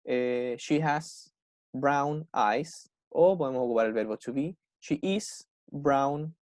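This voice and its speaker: Chilean teacher, keeps asking "¿cierto?". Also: male voice, medium pitch, darkish tone, dry recording, clean studio sound. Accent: Chilean Spanish. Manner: slows right down to model English phrases. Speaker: English teacher. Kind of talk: online class explaining vocabulary.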